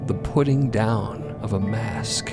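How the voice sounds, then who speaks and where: A man narrating scripted audio fiction dramatically, with hushed, halting, deliberate phrasing. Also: fairly low pitch. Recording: prominent music bed under the voice. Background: music.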